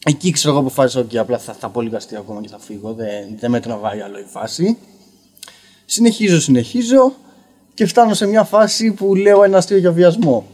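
A young man telling a story casually on a podcast as a guest comedian, rambling and filling pauses with "you know". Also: fairly high pitch, animated, a little mellow. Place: basement podcast studio.

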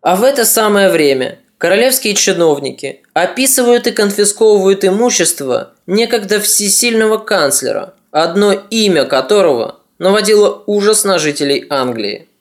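Measured storyteller narrating history. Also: medium pitch, lively intonation. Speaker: podcast narrator.

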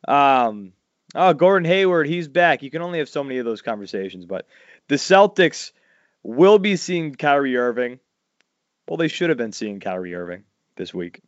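A man, hosting a casual podcast chat and telling stories loudly, his voice jumping up high when he gets worked up. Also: moderate pace, no room sound. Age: 40s. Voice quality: loud voice. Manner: animated storytelling, swings high when excited. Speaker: podcast host. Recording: dull lo-fi dry sound.

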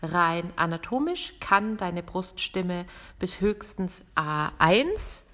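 Lively woman vocal coach. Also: lowish voice, slow. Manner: lively, direct, talks straight to the listener. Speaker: vocal coach and podcast host. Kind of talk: podcast lesson on singing technique.

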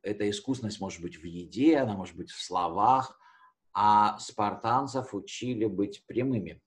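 A man's voice: lowish voice, normal speed. A man teaching history conversationally, explaining with hesitations and rephrasing his key words as he goes.

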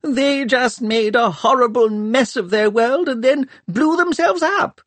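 A man voicing a fussy old male scholar who whines in a high, quavering voice. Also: a little slow, fairly bright tone, no echo. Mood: whining.

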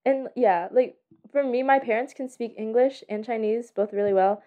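A woman's voice: fairly high pitch, moderate pace, mellow, muffled recording. A young adult woman with a giggly, slangy way of telling stories in casual podcast chat.

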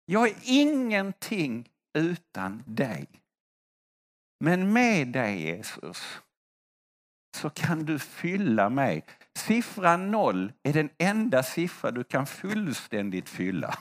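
A man's voice: a little high, huge pitch swings. A man preaching a testimony sermon as a mission leader, telling stories and acting out the voices of the people he quotes.

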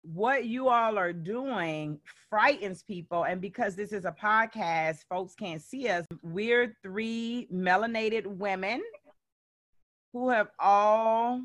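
A woman hosting a podcast, asking her guest questions in a deliberate, emphatic way. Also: medium pitch, a bit bright, dry recording, clean studio sound. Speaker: podcast host. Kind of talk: podcast interview.

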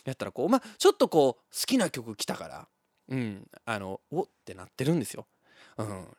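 Kansai man, solo radio host, animated story chat, dry close sound. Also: mid-range voice, fairly quick, dry recording. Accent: Kansai Japanese. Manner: animated, laughs often between lines.

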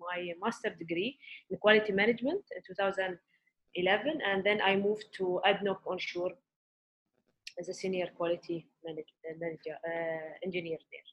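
A woman's voice: on the low side, fairly quick, breathy edge, dull audio. A woman in her thirties from the United Arab Emirates, a coffee shop owner answering interview questions hesitantly, with many fillers and restarts.

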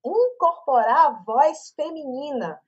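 A Brazilian woman speaking as a guest in a casual live panel chat, an animated and expressive storyteller on a video call. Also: high voice, slow pace. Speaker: panel guest, media professional. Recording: lo-fi online call audio.

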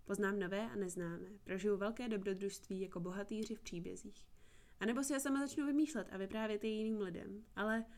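A woman's voice: mid-range voice, darkish tone, close to an everyday voice. Woman reading captive young woman, earnest and pleading, audiobook. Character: young woman held captive, eager and bitter.

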